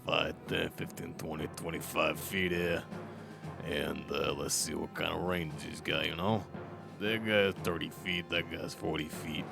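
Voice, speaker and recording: Very deep gravelly man playing a game. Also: steady tone, unhurried, over music. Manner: chatty, explains his rules reasoning out loud. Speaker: player. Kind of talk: casual game talk.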